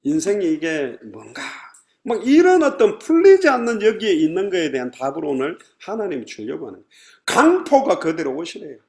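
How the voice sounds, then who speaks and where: A pastor preaching a sermon, animated and acting out the people he describes. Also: high-pitched, a little fast. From Korea. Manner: animated preaching, mimicking complainers.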